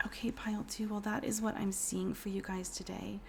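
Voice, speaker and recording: Hoarse, whispery woman reading tarot. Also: mid-range voice, level tone, fairly quick, slight background noise. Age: 30s. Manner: soft, often whispery, rambling with fillers. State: hoarse from a cold. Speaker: tarot reader. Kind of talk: casual pick-a-card tarot reading.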